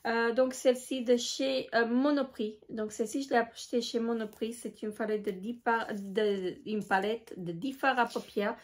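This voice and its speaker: A woman chatting casually in a show-and-tell vlog, hesitant with many filler pauses. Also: a little high, fairly even intonation. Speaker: beauty vlogger.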